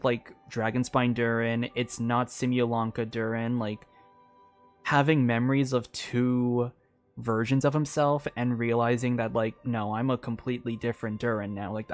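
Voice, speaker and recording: Casual male streamer, loose rambling commentary, filler-heavy. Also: medium pitch. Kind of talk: live gameplay commentary.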